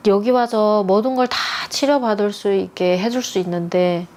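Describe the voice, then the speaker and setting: Middle-aged woman from North Korea, guest; soft and calm, medium voice. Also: medium pitch, moderate pace. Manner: calm, quiet, gentle. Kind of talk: soft-spoken personal storytelling.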